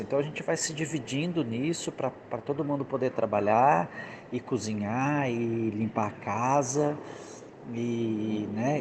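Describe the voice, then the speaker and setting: Casting: Brazilian male, mid-pitched, halting conversational delivery, recorded with clearly audible ambient noise. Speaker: interviewed father. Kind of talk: casual spoken testimony. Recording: clearly noisy background ambience.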